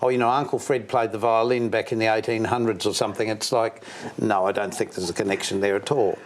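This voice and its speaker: A man's voice: on the low side, level tone, fast, a little hiss or hum. A man hosting a talk show, asking friendly questions and chatting in a complimentary way.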